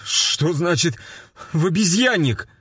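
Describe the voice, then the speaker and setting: A man voicing a desperate young man shouting in panic. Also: fairly high pitch, animated, takes it slowly, slightly rough, dry recording, clean studio sound, pitched above the performer's own voice, full character voice. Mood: panicked.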